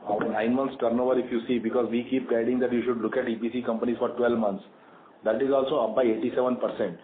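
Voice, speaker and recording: A man with an Indian accent speaks as an executive on an earnings call, explaining things in a measured way. His mid-pitched voice comes through a narrow telephone band, with noticeable echo and some noise. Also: level tone. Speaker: company executive answering investor questions. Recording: phone-like conference line, echoey, clearly noisy.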